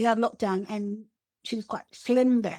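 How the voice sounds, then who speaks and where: A woman with a Cockney accent speaks at a fairly slow pace in a dark, mellow tone, her pitch varying in an ordinary way, recorded with a dry, close sound and no echo. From London, England. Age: 60s. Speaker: weight loss patient, former fitness instructor. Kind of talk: interview.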